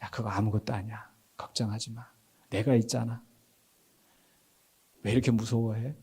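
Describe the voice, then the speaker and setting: A preacher voicing a gentle, fatherly Jesus. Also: sing-song, moderate pace, creaky. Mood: soothing. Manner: soft, low, soothing reassurance.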